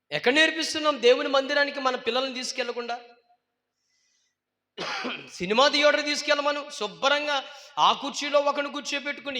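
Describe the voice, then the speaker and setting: A man's voice: very high voice, sharp tone. A male pastor with a Telugu accent preaching a sermon in a church hall, emphatically questioning his congregation. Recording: long hall reverb.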